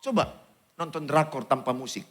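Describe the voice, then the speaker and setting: A pastor with a Medan accent delivers a sermon in a church hall, his voice pitched high for a man. He swings from loud, urgent exhortation to quiet, softer asides. Faint music plays behind him. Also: expressive, moderate pace. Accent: Indonesian, Medan. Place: church auditorium.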